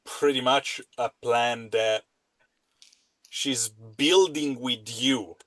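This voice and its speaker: A man running a tabletop game as game master, with slow, dramatic narration. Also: mid-range voice, fairly even intonation, a bit bright, dry recording.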